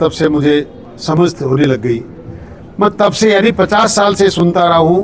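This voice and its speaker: A man's high voice with very even loudness and ordinary pitch variation, over noticeable background noise. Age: 60s. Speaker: former state legislator, politician. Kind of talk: interview.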